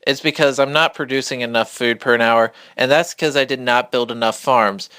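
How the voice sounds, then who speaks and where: A man giving a casual, off-the-cuff game tutorial, speaking quietly but clearly, close to a phone mic. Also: mid-range voice, fairly even intonation, a little fast, dry recording. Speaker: gamer hosting a beginner's tutorial. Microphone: phone held a couple of inches from the mouth.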